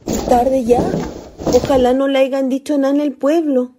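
High-voiced naive Chilean country ghost girl, played by a woman. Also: little pitch movement, normal speed, very noisy, lightly acted. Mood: anxious. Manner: naive, earnest, colloquial rural speech. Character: lovestruck young female ghost, naive country girl, stubbornly hopeful. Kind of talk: radio theatre acting.

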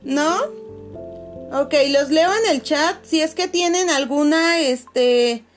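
A woman teacher, talking patiently to her pupils on a video call and filling pauses with "este". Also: high voice, faint music behind. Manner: patient, many fillers, calls pupils "chicos" and "corazones". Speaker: schoolteacher. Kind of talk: online class video call.

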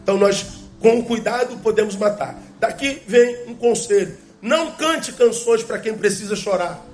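A man delivers a sermon in a notably high voice. He presses his points with rhetorical questions and slows down to repeat key phrases. Faint music sits low behind him. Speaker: pastor.

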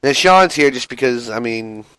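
A man's voice: mid-range voice, lively intonation, normal speed, pushed and bright, slight background noise, rough recording. A man hosting a casual wrestling podcast while sick and coughing, joking boastfully about his own greatness. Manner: boastful, joking self-praise. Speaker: podcast host.

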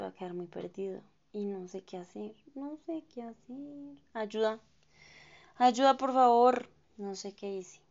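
A woman's voice: mid-range voice, dark tone. A young woman in her twenties with a Colombian accent, rambling through a casual, self-deprecating solo podcast full of slang. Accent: Colombian Spanish. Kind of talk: casual chatty monologue. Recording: dull lo-fi sound.

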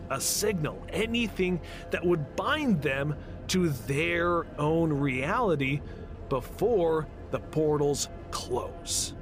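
An actor playing a casual, slangy man telling a spooky story in an audio drama, with dramatic pauses. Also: fairly high pitch.

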